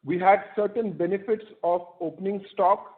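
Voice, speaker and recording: A man with an Indian accent answering earnings-call questions as an executive, haltingly working through figures and correcting himself over a phone line. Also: high-pitched, steady tone. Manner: halting, self-correcting while citing figures. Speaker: company executive. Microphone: telephone conference line. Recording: muffled, band-limited conference phone call.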